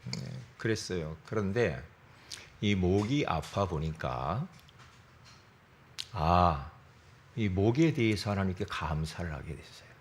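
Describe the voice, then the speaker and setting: A middle-aged man delivering a sermon from the pulpit, his pitch swinging widely as he tells stories full of interjections. His voice sits on the low side, and his throat sounds a little strained. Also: slow pace, pauses often, slight background noise. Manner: lively storytelling with interjections and self-corrections. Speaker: pastor.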